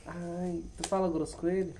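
A woman's voice: fairly low pitch, level tone, moderate pace, dark tone, a little hiss or hum. A young woman chatting playfully with friends, teasing and laughing often. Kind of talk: casual chat among friends.

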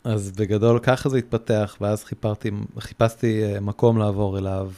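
Low-voiced hesitant man, casual chat. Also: level tone, warm tone. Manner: hesitant, many restarts and fillers. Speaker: guest, surfboard repairer. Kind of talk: casual podcast conversation.

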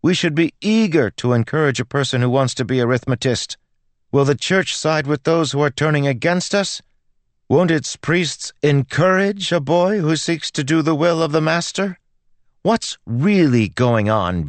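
Male narrator as a teenage girl, high voice, swooping intonation, stubborn, dramatic, storybook character. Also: animated, normal speed, no room sound, natural voice. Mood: indignant, loud. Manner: loud, insistent, dramatic. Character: stubborn, outspoken teenage girl, theatrical and righteous.

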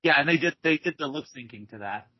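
A man's voice: fairly high pitch, animated, fast talker, husky. A man co-hosting a podcast in casual chat, hesitant and full of likes and restarts. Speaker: podcast co-host. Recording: dull lo-fi podcast audio.

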